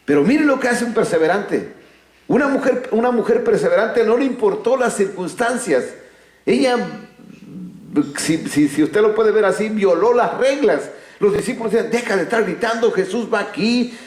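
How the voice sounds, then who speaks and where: A male preacher with a fairly high voice delivers a sermon, pressing his listeners with one rhetorical question after another. His voice rings through an echoey church room. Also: lively intonation, normal speed, darkish tone. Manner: emphatic, full of rhetorical questions to the congregation.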